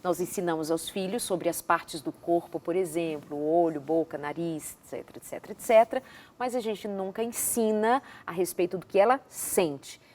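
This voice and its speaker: A woman's voice: on the low side, moderate pace, a little mellow, slight background noise. Thoughtful Brazilian woman hosting. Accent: Brazilian Portuguese. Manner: thoughtful, paraphrases the guest. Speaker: show host. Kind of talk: interview questions.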